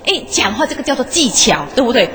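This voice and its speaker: A woman's voice: fairly high pitch, big pitch swings, fast talker, fairly bright tone. A woman, a former teacher, giving a live motivational talk in a chatty, coaxing way and often asking the audience questions. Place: lecture hall. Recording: echoey hall, faint background noise.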